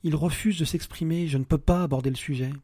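A man voicing a middle-aged wife who answers quietly and with restraint, tired of the same argument. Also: a little high, fast talker, dry recording, clean studio sound, close to an everyday voice. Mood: resigned. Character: calm, weary wife, middle-aged woman.

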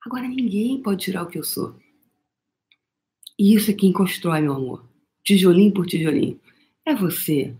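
A woman's voice: medium pitch, moderate pace, pauses often, mellow. Emphatic Brazilian woman coach, live talk. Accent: Brazilian Portuguese. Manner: emphatic, calls listener "meu amor", mild swearing. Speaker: motivational coach.

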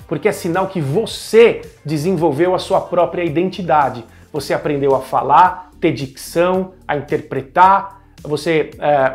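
A man with a Brazilian Portuguese accent giving direct, encouraging tips on speaking as a media columnist; his voice is not deep. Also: darkish tone. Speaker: media columnist and communication coach. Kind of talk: instructional talk to camera.

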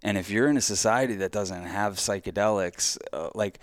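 A man's voice: fairly low pitch, fairly quick, dry recording, studio quality. An American man hosting a podcast conversation in a casual, candid and informal way. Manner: candid, informal, freely swearing. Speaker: podcast host.

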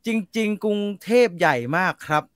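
A man in casual chat, talking bluntly and crudely with quick joking retorts. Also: high voice, fairly bright tone, no room sound.

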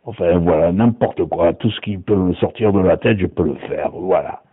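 A self-taught voice-over man giving a casual voice demo in a hesitant way, with lots of pauses. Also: low voice, slightly rough. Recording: tinny phone-like sound.

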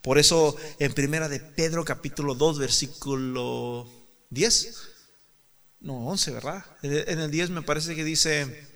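A man preaching a sermon emphatically, asking rhetorical questions and swinging from quiet talk to shouts. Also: a little high, slow. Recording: reverberant hall.

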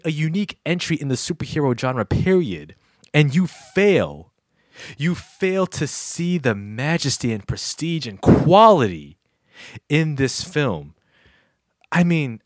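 A man doing a scolding Nigerian man who stammers and repeats himself as he rants. The pitch swoops widely, and the sound is dry and close. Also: no echo. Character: scolding Nigerian man ranting at a rival fan. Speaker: podcast co-host. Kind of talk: comic rant on a podcast.

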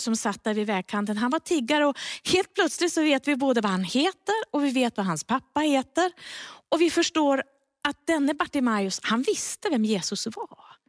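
A woman giving a sermon, reading Bible stories aloud and dropping soft and low when she gives quoted words. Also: no echo, studio quality. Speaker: preacher.

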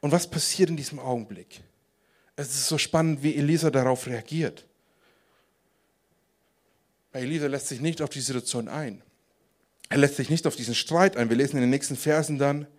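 Animated young-sounding preaching man. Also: a little high, normal speed, long pauses. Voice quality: casual, animated preaching with English slang. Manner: acts out voices, drops to quiet intense prayer tones. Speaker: pastor. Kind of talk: sermon.

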